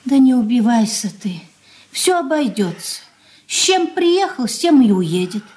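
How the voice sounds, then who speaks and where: Meek older wife, gentle, coaxing, radio drama. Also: female voice, fairly high pitch, very animated, a little slow. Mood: soothing. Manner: gentle, coaxing, soft-spoken. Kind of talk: 1980s studio radio drama acting.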